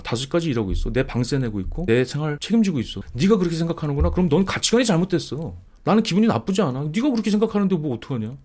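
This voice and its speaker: A middle-aged man giving impassioned advice to his viewers, scolding them and mocking their complaints in whiny quoted voices. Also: fairly high pitch. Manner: animated, mock-quoting others in whiny voices, scolding. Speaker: video creator answering viewer comments.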